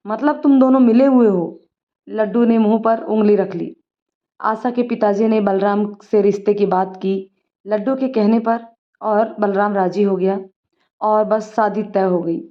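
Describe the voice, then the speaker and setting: A woman narrates a story in a calm, steady voice. Her pitch sits in an ordinary middle range. The recording is muffled and lo-fi. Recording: dull lo-fi recording.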